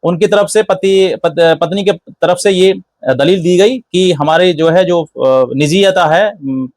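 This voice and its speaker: A man's voice: sits high, takes it slowly, darkish tone, no room sound. A man hosting an informal legal explainer, going step by step, often rephrasing himself and dropping in English legal terms. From India. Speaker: legal advice channel host.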